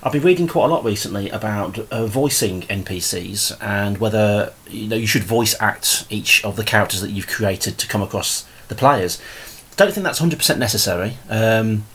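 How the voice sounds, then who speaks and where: A man's voice: fairly low pitch, animated, normal speed, fairly bright tone, slightly rough. A man in his thirties hosting a casual solo podcast, rambling along with plenty of fillers and restarts. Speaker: podcast host and game master.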